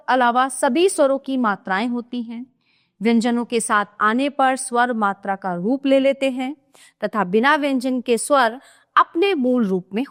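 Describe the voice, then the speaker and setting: A woman teaches a grammar lesson at an unhurried, deliberate pace. Her voice sits a little high, and she spells out each example one at a time, pausing now and then to check that the listener is following. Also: a bit bright. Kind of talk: explaining a Hindi grammar lesson.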